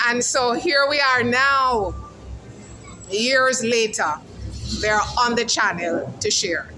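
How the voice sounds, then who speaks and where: A woman's voice: fairly high pitch, slow pace, sharp tone, soft background music, rough recording. A woman hosting a casual outdoor interview vlog, chatty and calling her viewers "guys". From Jamaica. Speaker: host. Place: outdoors at a mall food court.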